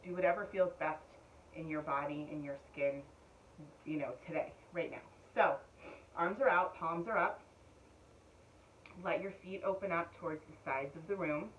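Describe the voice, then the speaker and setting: A middle-aged woman leading an online yoga class, chatting in a meandering way and giving gentle breathing and pose cues. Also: sits low, normal speed, long pauses. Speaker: yoga instructor. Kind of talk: casual spoken yoga class guidance. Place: home room. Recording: distant mic, dull sound, faint room noise.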